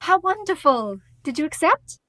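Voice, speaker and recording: An actress playing an earnest, sensible young woman in a stage radio play, speaking in a measured, gently wry way. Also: very high-pitched, sing-song, dry recording, exaggerated voice.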